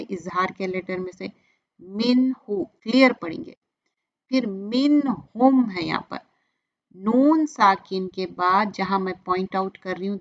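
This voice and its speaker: Slow patient lady teaching quran recitation, repeats each word clearly, muffled lo-fi sound. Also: mid-range voice, fairly bright tone. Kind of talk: step-by-step tajweed lesson.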